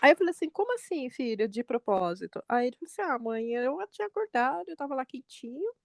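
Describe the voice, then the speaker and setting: A woman in her forties, a mother co-hosting a podcast, telling a family story in lively chat and jumping up in pitch when she quotes people. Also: quick pace, vocal fry, dry recording, clean studio sound. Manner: animated retelling, quotes her son with pitch jumps.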